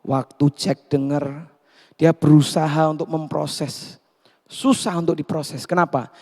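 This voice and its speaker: A male pastor telling a story in a sermon, animated and acting out the characters. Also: on the high side, a little slow. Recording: long hall reverb.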